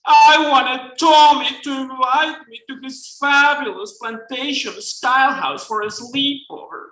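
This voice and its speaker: Mexican-accented guy putting on a southern drawl for a campy fabulous gay man, pitched way up, roomy bookstore echo. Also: measured pace, pushed and bright, full character voice. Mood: teasing. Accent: attempted Southern US. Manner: theatrical, campy read-aloud delivery. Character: flamboyant gay Southern man, wry and unashamed. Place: bookstore event space. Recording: echoey room.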